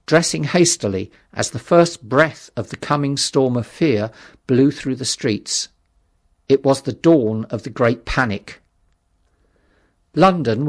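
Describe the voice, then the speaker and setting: A man narrating a literary audiobook in a measured, dramatic storytelling manner. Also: medium pitch.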